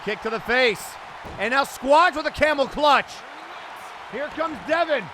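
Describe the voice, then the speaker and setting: A man giving live play-by-play wrestling commentary with excited, exclamatory calls. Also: very high-pitched, unhurried. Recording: noisy event audio with loud crowd. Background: crowd and arena noise.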